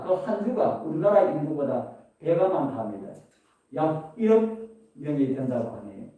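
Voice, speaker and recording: Middle-aged guy preaching, lively up-and-down voice, lots of questions, sounds distant. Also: sits high, phone-quality sound. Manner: preaching with rhetorical questions, rising and falling emphasis. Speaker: pastor. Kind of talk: sermon. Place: church sanctuary. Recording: echoey hall, distant mic.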